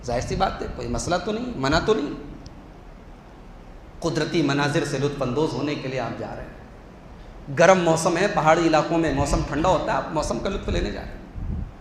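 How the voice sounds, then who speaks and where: A man's voice: on the high side, lively intonation, normal speed, pauses often. Emphatic man preaching in an echoey hall. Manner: emphatic, repetitive, rhetorical. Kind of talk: sermon. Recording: echoey hall, faint hum.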